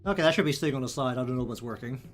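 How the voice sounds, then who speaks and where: A man's voice: medium pitch, racing. A man with a broad New Zealand accent chatting casually on a livestream, rambling and thinking aloud as he works. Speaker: live streamer. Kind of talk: casual livestream chat while working. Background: background music.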